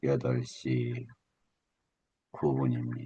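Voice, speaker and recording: A man talks with lively intonation in a dark, mellow tone. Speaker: Buddhist monk. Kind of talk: dharma talk. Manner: hesitant, with fillers.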